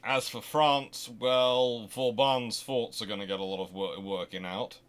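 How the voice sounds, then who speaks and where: Smooth, steady and measured, this man's mid-range voice carries a fairly bright tone. He's hosting a laid-back live Q&A about naval history, answering viewer questions with chatty tangents and frequent rhetorical questions.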